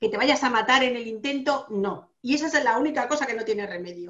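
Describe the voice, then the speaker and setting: The speaker is a woman. There is ordinary variation in her pitch. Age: 50s. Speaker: virtual assistant. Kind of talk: interview.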